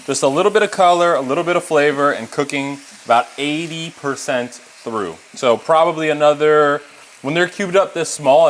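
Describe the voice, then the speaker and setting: In this clip, a man with a medium-pitched, fairly bright voice and a faint hiss or hum walks viewers through a recipe. He's a home cook, chatty and instructive, explaining each step straight to the audience.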